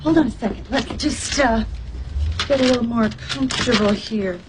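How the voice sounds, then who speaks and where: A woman's voice: on the high side, normal speed, background noise, close to an everyday voice. An actress playing a fussy, flustered young woman in a sitcom. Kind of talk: sitcom acting. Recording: sitcom clip with loud laugh track.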